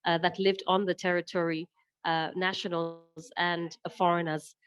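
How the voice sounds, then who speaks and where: A woman's voice: on the low side, flat delivery, unhurried. A woman giving spontaneous remarks in an online discussion, tentative and rambling, often correcting herself. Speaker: invited discussion participant. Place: online video call.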